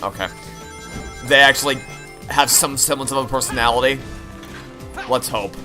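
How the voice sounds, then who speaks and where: A man's voice: medium pitch, normal speed, bright, forceful tone. A young man giving casual, opinionated, rambling commentary as he plays through a video game. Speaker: video game playthrough streamer. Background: game music.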